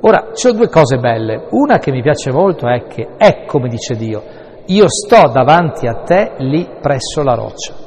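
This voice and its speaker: A man's voice: mid-range voice, very animated, normal speed, darkish tone, breathy edge, long reverb tail. A male priest explaining a Bible reading to his congregation, talking in a conversational, digressive way with wry asides.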